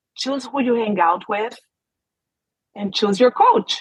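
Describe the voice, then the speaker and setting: Very slowly and somewhat breathily, a woman with a strong Brazilian accent speaks at a fairly high pitch with ordinary pitch variation. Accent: thick Brazilian Portuguese. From Brazil (São Paulo). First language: Portuguese. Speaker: life and business coach. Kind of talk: podcast interview.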